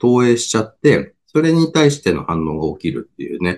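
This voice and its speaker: A man is speaking. His intonation is lively. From Kawasaki, Kanagawa (Tokyo area), Japan. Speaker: ki healer and counselor. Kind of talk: casual podcast advice chat. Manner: calm, gentle; hesitant with many fillers.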